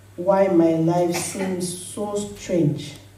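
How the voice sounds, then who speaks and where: Amid noticeable background noise and audible room echo, a woman speaks at a fairly low pitch with ordinary pitch variation. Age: 40s. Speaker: church member giving testimony. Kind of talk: testimony. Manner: reading from prepared script.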